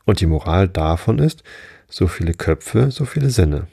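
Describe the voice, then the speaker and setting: A man's voice: sits low, animated, normal speed, vocal fry, warm tone, breathy edge, dry recording, clean studio sound, heavily acted. A man voicing a self-satisfied duchess in a storybook reading, preaching tangled morals. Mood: smug.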